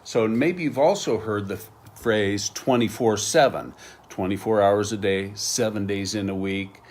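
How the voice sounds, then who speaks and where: Casting: middle-aged American male teacher, low voice, slow patient delivery, faint noise. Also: a little mellow. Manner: slow, patient explaining with examples. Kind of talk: slang lesson.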